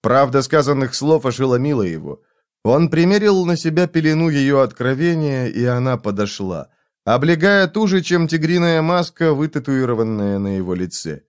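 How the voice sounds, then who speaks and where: A man narrating an audiobook in a measured, expressive way. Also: medium pitch, smooth.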